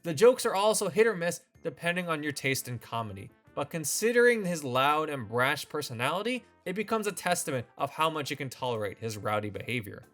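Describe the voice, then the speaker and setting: Lively, wry male commentary host. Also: a little high, brisk, hardly any pauses, faint music behind. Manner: opinionated, wry and sarcastic. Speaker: video essay host. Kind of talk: scripted commentary.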